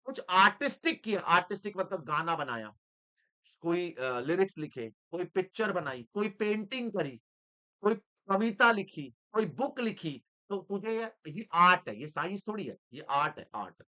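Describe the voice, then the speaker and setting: A man teaching accounting in an energetic, teasing lecture style, switching between Hindi and English. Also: high-pitched, moderate pace. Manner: animated, teasing, mixes Hindi with English terms.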